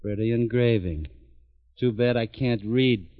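An actor playing a tough, wisecracking homicide lieutenant who also narrates a 1950s radio drama, in dry, clipped lines. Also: male voice, medium pitch, a little slow, lightly acted. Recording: dull old radio recording with music.

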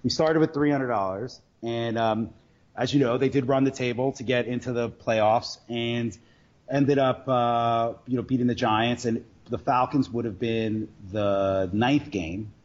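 A man speaks in an average-pitched voice on dull, lo-fi audio. He tells stories casually, often stopping and restarting as he rambles along. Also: steady tone, unhurried. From Queens, New York. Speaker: sports bettor guest. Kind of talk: casual storytelling interview.

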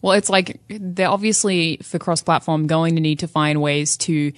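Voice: medium pitch, level tone, moderate pace, no room sound, studio quality. A podcast panelist in a casual discussion about video games, talking in an enthusiastic, opinionated way.

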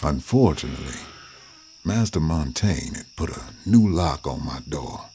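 A man's voice: rumbling low, animated, unhurried, music in the background. An older man recalling his youth in a plainspoken, folksy way for an interviewer. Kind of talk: storytelling in an interview.

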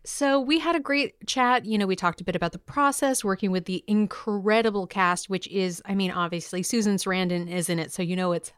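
Female podcast host, smooth clear voice, dry close sound, upbeat and chatty promo delivery. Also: medium pitch, fairly quick, few pauses, no echo. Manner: chatty, enthusiastic, playful. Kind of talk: casual upbeat promotional chat.

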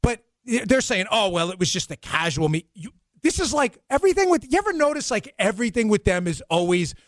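A man's voice: high voice, big pitch swings, brisk, dry recording, clean studio sound. A man from New York hosting a political talk show, mocking and sarcastic, with a faint New York accent. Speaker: host.

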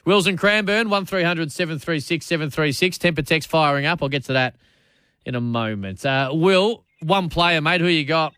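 A man's voice: fairly high pitch, moderate pace, sharp tone, clean tone, no room sound, clean studio sound. An Australian man hosting sports talkback radio, matey and chatty, often restarting his phrases. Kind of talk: casual talkback commentary. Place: radio studio.

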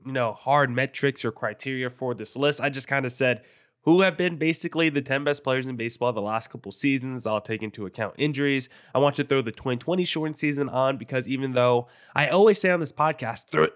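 Young male podcast host, stuffy and nasal from allergies, casual and upbeat, rattles off stats, mid-pitched voice. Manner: casual, energetic, stat-heavy rundown. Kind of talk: solo sports podcast commentary.

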